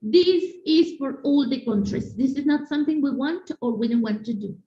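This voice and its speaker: A woman teacher from Mexico with a Mexican Spanish accent, giving an animated online conference talk and speaking directly to her audience. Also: high-pitched, moderate pace. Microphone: video call. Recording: echoey room, dull lo-fi sound.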